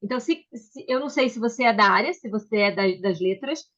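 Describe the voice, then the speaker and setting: This Brazilian book club host talks fast in a little-high, slightly bright voice. The casual video call has somewhat dull audio, and she comes across as chatty and welcoming, with frequent restarts.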